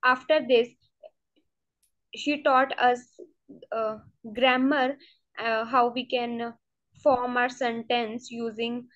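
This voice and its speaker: A woman's voice: on the high side, level tone, slow, pauses often, fairly bright tone. A young woman whose first language is Punjabi answers a mock speaking exam over a video call, hesitant and full of fillers and restarts. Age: student. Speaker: test candidate. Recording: dull lo-fi video call audio.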